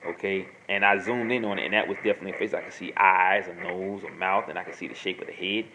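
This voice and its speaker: A man talking casually and rambling in a monologue, restarting sentences and filling pauses. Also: low voice, steady tone, pushed and bright. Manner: rambling, repeats himself, many fillers. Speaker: host answering viewer questions. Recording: noisy home recording.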